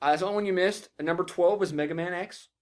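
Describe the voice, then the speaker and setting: A man's voice: high-pitched, rapid-fire. A man co-hosting a podcast, chatting about video games in a blunt, informal, sweary way. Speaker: podcast co-host.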